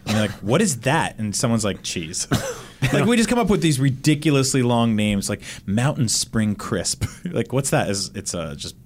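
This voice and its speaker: A man's voice: medium pitch, sing-song, moderate pace. An American man hosting a casual chat, talking in a jokey, exaggerated way. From United States. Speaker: podcast host reading listener questions.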